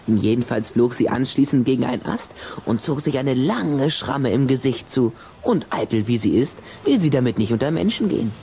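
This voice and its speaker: A man's voice: medium pitch, lively intonation, normal speed, hardly any pauses, mellow, slight background noise, close to an everyday voice. An actor playing a cheeky, sly little vampire boy in a German children's radio play, brash and offhand. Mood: offhand, needling.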